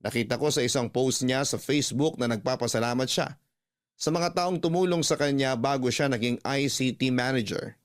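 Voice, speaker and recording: Man voicing a sad ex-con dad, middle-aged, quiet and sighing, soft music under. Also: medium pitch, moderate pace, close to an everyday voice. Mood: reflective. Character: remorseful ex-convict father, middle-aged, longing. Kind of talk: Tagalog radio drama acting, in-character narration.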